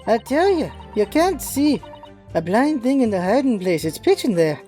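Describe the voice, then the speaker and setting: A man's voice: very high voice, sing-song, normal speed, mellow, soft background music. A man doing a woman's voice, playing a young, cheeky street urchin girl in a video game. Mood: cheeky, indignant.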